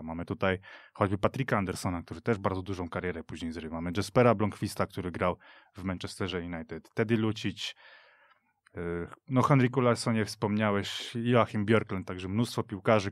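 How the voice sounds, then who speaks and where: A man with a lowish voice speaks as a radio studio guest and runs smoothly through lists of players and facts. The recording is close and dry, with no room echo around him. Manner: fluent, reels off lists of names and details. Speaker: radio show guest, football pundit. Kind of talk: casual sports discussion.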